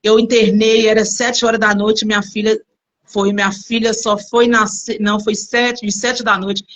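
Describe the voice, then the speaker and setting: A middle-aged woman pastor giving a personal testimony, telling her story in a lively way and acting out the people in it. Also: mid-range voice, moderate pace, slight background noise. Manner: animated storytelling, acts out quoted people.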